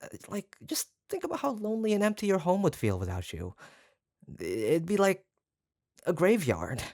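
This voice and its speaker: An actor playing an obsessive, doting yandere kidnapper in a roleplay audio drama, halting and coaxing, tender yet menacing. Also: medium pitch, huge pitch swings, a little mellow, no echo, studio quality. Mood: gushing, insistent. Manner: halting, gushing, coaxing, with nervous stammers. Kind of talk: roleplay audio drama, intimate one-sided monologue.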